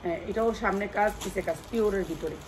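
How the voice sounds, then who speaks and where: A woman with a Bangladeshi accent doing an insistent hard-sell live sales pitch for wholesale clothing, repeating key phrases and prices over and over. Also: quick pace, noisy background. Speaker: clothing wholesale seller presenting stock.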